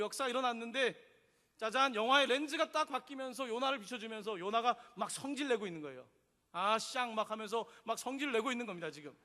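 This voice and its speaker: A man's voice: very high-pitched, pushed and bright. A man preaching a sermon as pastor, telling the story vividly and leading the congregation in reading. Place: church sanctuary. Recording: long reverb in a church hall.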